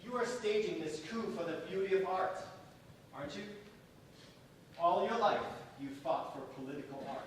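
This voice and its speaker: An earnest, challenging man presses his argument in a somewhat high voice. His delivery is pointed and persuasive, in the manner of a staged reading. The recording is distant and heavily echoed. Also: expressive, moderate pace. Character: earnest, challenging confidant arguing about political art. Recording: echoey hall, distant mic, faint noise.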